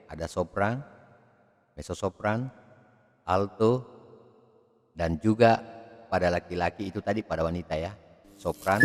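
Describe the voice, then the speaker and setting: A man giving a video lecture on public speaking, expressive, swinging his pitch and loudness to demonstrate. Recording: long hall reverb.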